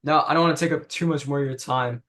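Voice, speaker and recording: A man's voice: medium pitch, fairly even intonation, fast, a bit bright. A man with a Spanish accent hosts a podcast over a video call. He sounds easygoing and a bit hesitant, with fillers between thoughts. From Spain. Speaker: podcast host. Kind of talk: casual podcast interview.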